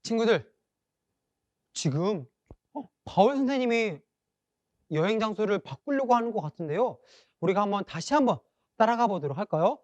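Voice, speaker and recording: A children's Bible school teacher giving a gentle, coaxing sermon lesson to kids, calling them friends. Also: mid-range voice, lively intonation, moderate pace, long pauses, no echo, highs cut off.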